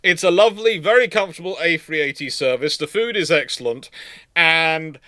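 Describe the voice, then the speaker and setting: A man's voice: fairly high pitch, fairly quick, pushed and bright, no room sound, studio quality. A man hosting a live stream, rambling casually as he answers viewers' questions. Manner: rambling, tangent-prone. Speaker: host of a naval history live stream.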